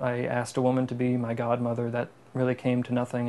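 This is a man speaking with a Midwestern American accent. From US Midwest. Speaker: university student. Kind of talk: testimony. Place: office.

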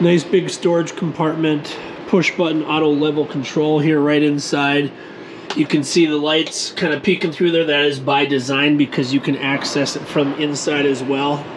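The speech is monotone and flat, with very even loudness at a moderate pace. Noticeable background noise runs underneath. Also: man. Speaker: RV salesman. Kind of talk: product walkaround presentation. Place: workshop. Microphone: phone near.

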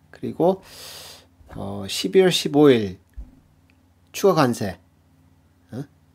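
His pitch swinging very widely, a man speaks. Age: middle-aged. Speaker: stock market YouTuber. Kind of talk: casual vlog commentary. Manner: hesitant, many filler sounds.

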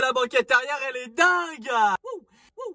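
Lively intonation marks this man's speech. There is light background noise and a dry sound with no echo. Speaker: comic vlogger. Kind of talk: casual vlog chat. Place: car. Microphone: phone near.

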